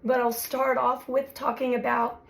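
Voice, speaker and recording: A woman hosting a spiritual astrology channel, talking reflectively with many pauses and fillers while her voice recovers from illness. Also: sits high, little pitch movement, creaky. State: recovering from voice loss. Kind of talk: unscripted spiritual talk to camera.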